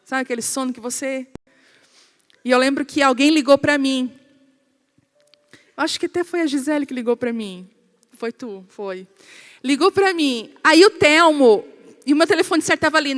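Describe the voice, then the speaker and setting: A woman pastor with a Brazilian Portuguese accent preaching a sermon, telling stories with animation and speaking straight to her congregation. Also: high-pitched. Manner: animated storytelling, addresses the congregation directly. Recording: long hall reverb.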